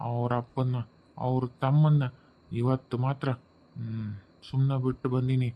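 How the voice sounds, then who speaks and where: A man's voice: medium pitch, steady tone, moderate pace, lo-fi sound, slight background noise, lightly acted. A man voicing the ghost of a murdered young husband in a cartoon, speaking North Karnataka Kannada and swinging from sobbing complaints to vengeful threats. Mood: brooding. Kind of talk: cartoon voice acting.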